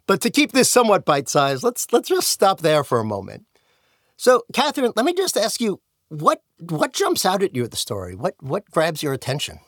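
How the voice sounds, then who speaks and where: A man's voice: high voice, wildly swooping pitch, moderate pace, a bit bright, dry recording, studio quality. A man, a rabbi hosting a podcast, tells a story with animation and voices the characters' lines in a playful, casual way.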